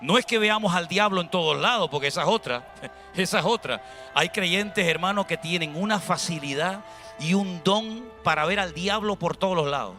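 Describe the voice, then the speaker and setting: A man from Spain with a Spanish accent, a pastor preaching a sermon in a lively, colloquial way, acting out little dialogues from everyday church life. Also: high voice, moderate pace, soft background music.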